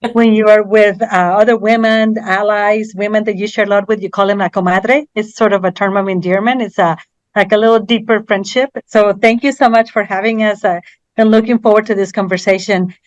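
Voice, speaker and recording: A woman's voice: mid-range voice, steady tone, fairly quick, dry recording, highs cut off. Woman from colombia, guest on a talk show, earnest, restarts words, dry close sound. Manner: earnest, repeats words while finding them. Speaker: guest, university diversity educator. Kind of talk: casual panel talk.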